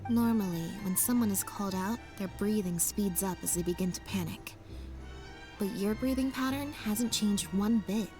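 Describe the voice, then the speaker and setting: A woman voicing a calm, analytical sleuth. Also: mid-range voice, moderate pace, lightly acted. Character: calm, observant young female sleuth. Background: game music.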